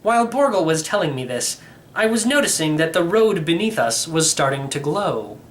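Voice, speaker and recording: A man's voice: fairly high pitch, sing-song, normal speed. A man reading first-person story narration from a script, as an audiobook reader.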